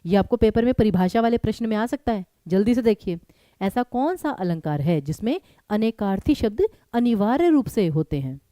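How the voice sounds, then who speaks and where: A young woman teaching a live online exam-prep class. She talks briskly and keeps urging her students to answer quickly, mixing English words into her Hindi. Her voice is mellow and the sound is close and dry. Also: medium pitch, lively intonation, no echo.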